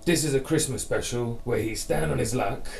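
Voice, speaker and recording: A man playing a halting, gravelly casting director. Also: medium pitch, slight background noise, lightly acted. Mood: hesitant. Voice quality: hesitant, halting. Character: weary hesitant male TV casting director. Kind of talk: comedy sketch acting.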